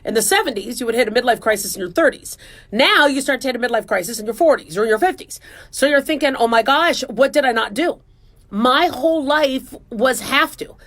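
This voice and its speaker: A woman's voice: high-pitched, lively intonation, brisk, a bit bright. A woman in her forties hosting a radio show, chatting in a casual, self-mocking, joking way. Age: 40s. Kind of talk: casual talk radio monologue.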